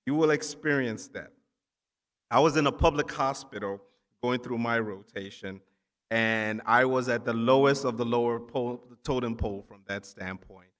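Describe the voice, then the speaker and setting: A man from Nigeria giving an encouraging keynote speech to students at a ceremony, with emphatic phrasing and short pauses. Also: medium pitch, a bit bright. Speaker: keynote speaker, physician assistant. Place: large indoor hall at a ceremony. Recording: echoey hall with long reverb.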